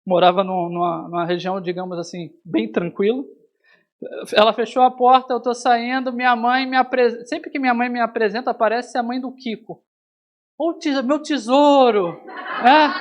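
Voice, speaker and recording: A man's voice: very high-pitched, little pitch movement, brisk. A man from Brazil preaching a sermon, telling a personal story and calling his listeners brother. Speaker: pastor. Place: church hall.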